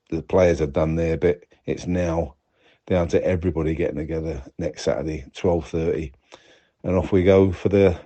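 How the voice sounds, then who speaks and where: A man giving a casual, unscripted football review as a fan, talking in a measured, reflective way. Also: rumbling low, mellow, dull audio. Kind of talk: casual unscripted match commentary.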